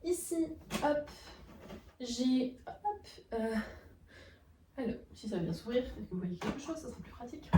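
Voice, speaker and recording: A woman's voice: on the high side, mellow. A young woman from France with a French accent, chatting casually and enthusiastically through a tour of her small student bedroom. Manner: chatty, many fillers, enthusiastic. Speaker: vlogger. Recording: roomy, from a distance, faint noise.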